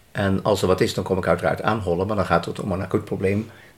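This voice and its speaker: Talking at a very fast pace, a man keeps his pitch fairly low. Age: 70s. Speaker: retired physician and grandfather. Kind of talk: interview.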